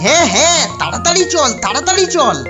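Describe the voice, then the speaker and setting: A woman's voice: high-pitched, quick pace, over music. Woman voicing an eager little schoolboy. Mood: excited. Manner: eager, excitable. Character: eager excitable young schoolboy. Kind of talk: cartoon voice acting.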